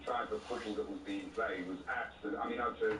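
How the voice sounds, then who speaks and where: Audible echo from the room colors this man's voice. Background noise is also noticeable. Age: 60s. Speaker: caller, football fan. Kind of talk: radio phone-in.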